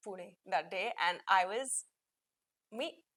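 A woman with an unremarkable speaking voice talks at medium pitch in a dry, close sound with no echo. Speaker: actor's wife. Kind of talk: casual chat. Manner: laughs often.

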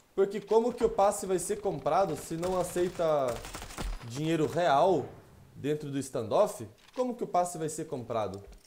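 Over light background noise, a man with a high pitch and lively intonation speaks with long, frequent pauses. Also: moderate pace. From southern Brazil. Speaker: gaming streamer. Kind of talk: casual livestream chat with viewers. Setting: live stream with screen share. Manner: animated, chatty. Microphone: headset.

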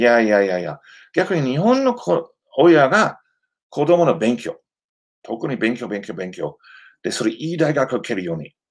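Against a quiet background, a man with an American accent swings his pitch very widely and leaves long, frequent pauses. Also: moderate pace. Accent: American-accented Japanese. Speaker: historian and YouTuber. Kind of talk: casual live chat. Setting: live stream, online. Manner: halting, non-native Japanese. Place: home room. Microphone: webcam.

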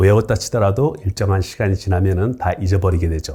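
In a very clean recording with a silent background, a man's somewhat breathy voice carries a dark, mellow tone. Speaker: university professor. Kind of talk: interview monologue.

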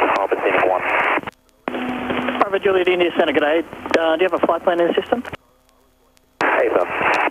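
Over loud background noise, a man with a high pitch speaks at a moderate pace, his loudness very even and his pitch variation ordinary. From Australia. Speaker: air traffic controller. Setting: aviation radio transmission. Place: plane. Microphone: two way radio.

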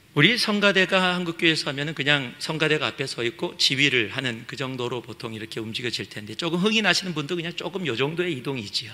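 A man speaks at a very fast pace with hardly any pauses. His tone is bright and sharp, his intonation lively. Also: fairly high pitch for a man. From South Korea. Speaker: visiting pastor. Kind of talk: sermon. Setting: church. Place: church. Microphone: podium.

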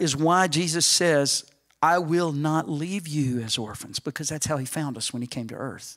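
Against a quiet background, a man with a Georgia accent speaks fairly slowly at a fairly high pitch. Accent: Southern American (Georgia). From US South, Georgia. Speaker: teacher at a church. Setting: church hall with small in-person audience, filmed. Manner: plainspoken, earnest explanatory delivery with some repetition and self-correction; relaxed, folksy and chatty, with frequent chuckles and asides. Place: church. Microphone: handheld.

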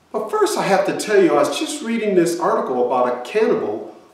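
A man speaks at a fairly quick pace. Room echo is audible around his voice. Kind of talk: casual vlog chat. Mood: jokey, upbeat. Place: garage.

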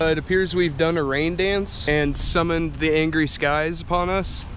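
There is light background noise as a man speaks at a moderate pace in a monotone, flat intonation, the sound dry with no echo. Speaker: skateboarding vlogger. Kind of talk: casual vlog chat. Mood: relaxed, joking. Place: street. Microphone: phone near.

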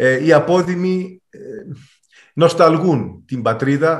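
Against a quiet background, a man speaks somewhat breathily with ordinary pitch variation. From Cyprus, Nicosia area; Cyprus. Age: 50s. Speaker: former TV executive, political candidate; candidate. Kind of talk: interview. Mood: earnest, persuasive. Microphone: video call.

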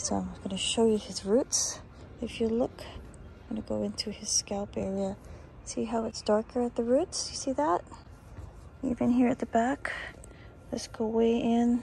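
Someone speaks at a moderate pace with long, frequent pauses, in a dry sound with no echo and light background noise. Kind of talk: casual show-and-tell explanation. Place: garden. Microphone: phone near.

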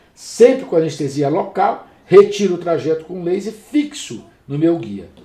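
In a room with audible echo but a quiet background, a man with a high-pitched voice talks with lively intonation and an animated tone. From Brazil. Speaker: proctologist. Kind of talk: medical explainer video. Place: home room. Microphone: camera far.

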